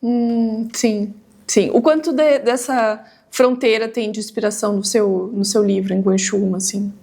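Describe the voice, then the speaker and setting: A woman's voice: mid-range voice, fairly even intonation, a little slow, creaky, darkish tone. A woman interviewer asking long questions, often restarting phrases as she forms them. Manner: searching, restarts phrases while forming questions.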